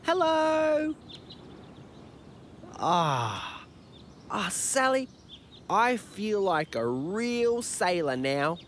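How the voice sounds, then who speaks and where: A woman voicing a young, excitable possum in a children's TV show, full of gasps and wide-eyed delight. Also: medium pitch, drawn-out words, long pauses, a little hiss or hum. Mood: excited. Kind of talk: scripted children's TV acting.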